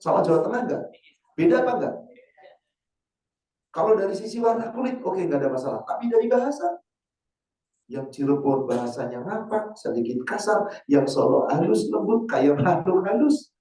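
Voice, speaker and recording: A man, an Islamic teacher, giving a casual sermon to a women's study group, quizzing the audience with rhetorical questions and reciting verses slowly. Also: sits high, very animated, mellow. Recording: roomy hall, mic far off.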